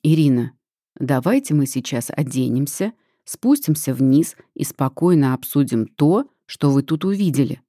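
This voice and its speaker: A woman reading an audiobook, voicing a calm young man who speaks in a level, composed way. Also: low voice, moderate pace, dry recording, studio quality, pitched below the performer's own voice. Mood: calm firm.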